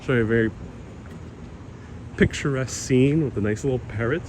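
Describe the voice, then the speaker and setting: The host of this relaxed live walking tour chats with viewers while walking a town street with passing traffic, with the mic mounted on his phone. He is Puerto Rican, was raised in New York, has Spanish as his first language and speaks with a Queens Hispanic accent. His pitch is medium, his pace moderate, and the street recording is noisy.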